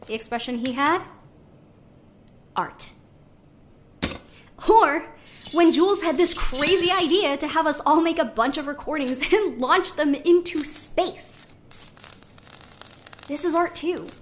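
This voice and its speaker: A woman's voice: high voice, takes it slowly, long pauses, slight background noise. A woman playing a spirited, idealistic young artist musing conversationally into a recorder in an audio drama. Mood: fond, reflective. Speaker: actor in a sci-fi audio drama. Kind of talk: audio drama monologue, naturalistic.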